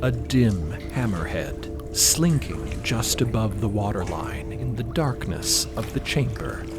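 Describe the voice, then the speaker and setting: Slow, expressive male storyteller over music. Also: on the low side. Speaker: narrator. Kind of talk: theatrical scripted fantasy narration.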